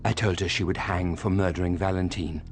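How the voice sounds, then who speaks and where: An actor playing a broken aristocratic father who speaks slowly and with icy sarcasm in a radio drama. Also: deep voice, fairly even intonation, noisy background. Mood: bitter. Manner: slow, icy, bitterly sarcastic. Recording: music score behind.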